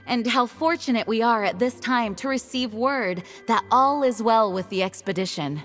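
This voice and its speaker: A woman playing the calm, authoritative acting leader of a knightly order, speaking formally, in a game. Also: a little high, moderate pace, natural voice. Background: game music.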